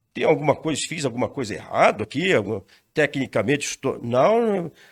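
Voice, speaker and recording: A man's voice with vocal fry, lively intonation and a fairly quick pace, on a very clean recording with a silent background. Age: 60s. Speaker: mayor and physician. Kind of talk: interview. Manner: halting, with false starts.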